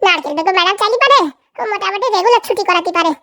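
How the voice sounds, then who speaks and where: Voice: very high-pitched, very fast, bright, forceful tone, dry recording, clean studio sound. A performer voicing a cheeky, eager young sidekick in a comedy cartoon, chattering in a colloquial way. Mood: casual. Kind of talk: comic cartoon dialogue.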